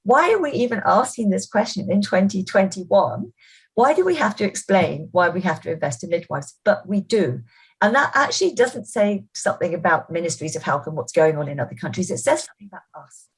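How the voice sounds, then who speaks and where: Husky-voiced woman giving an impassioned presentation. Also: mid-range voice, very animated, brisk, low-quality recording. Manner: emphatic, impassioned advocacy. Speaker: maternal health expert presenting. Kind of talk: slide presentation to midwives and students.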